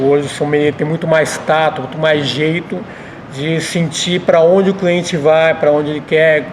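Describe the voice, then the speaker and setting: A middle-aged man answers interview questions as a restaurant owner, explaining things in a measured way, over faint room noise. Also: a little high, vocal fry.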